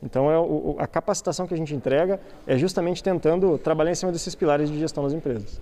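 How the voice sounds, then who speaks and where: A man's voice: a little high, quick pace, mellow. A man in his thirties, a business association director, explaining things in a news interview, with fillers. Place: indoor event hall before a sponsor wall. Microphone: handheld reporter mic.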